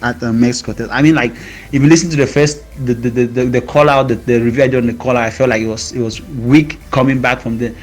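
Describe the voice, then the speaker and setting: A man giving casual, excited commentary on a rap diss track, explaining line by line with lots of fillers and restarts. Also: mid-range voice. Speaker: music reviewer.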